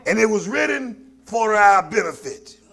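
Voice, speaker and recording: A Black pastor from Mississippi preaches a call-and-response sermon to his congregation in Southern African American English. His voice is high-pitched, gravelly and a bit bright, with lively intonation and a slightly slow pace, and his style is folksy and emphatic, repeating phrases for effect.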